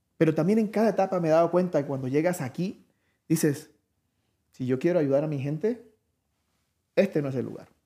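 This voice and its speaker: Pausing long and often, a man talks at a moderate pace in a fairly high pitch with ordinary pitch variation. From Colombia, Cartagena. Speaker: former business office director, dentist by training. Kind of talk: interview.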